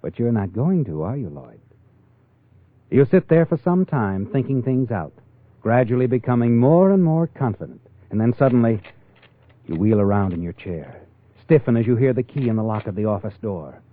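An actor playing a sinister, taunting narrator of a 1940s radio crime drama, insinuating and deliberate. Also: male voice, medium pitch, big pitch swings, no room sound. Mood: menacing, taunting. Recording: tinny, band-limited 1940s radio with music.

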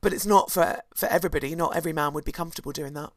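A hoarse woman, co-hosting a podcast and chattily telling a history story, with asides and restarts. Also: low voice, racing, dry recording, clean studio sound. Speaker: podcast co-host. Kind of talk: casual chat, storytelling history.

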